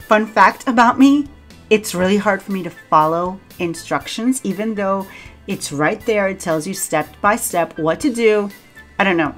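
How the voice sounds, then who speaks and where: A cooking vlogger from Cuba, with a Cuban Spanish accent, chats casually through a home cooking vlog in her kitchen, often laughing and making fun of herself. Her voice is medium-pitched with a fairly bright tone.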